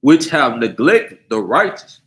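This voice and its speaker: A man reading scripture aloud in a deliberate, measured way during a bible class. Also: mid-range voice, very animated, fairly bright tone. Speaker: scripture reader.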